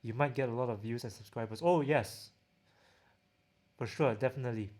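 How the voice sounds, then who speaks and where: A man's voice: medium pitch, a little fast, darkish tone. A man with a Singaporean accent chatting casually as a livestream host, reading out and answering viewer questions. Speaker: livestream host, audio gear reviewer.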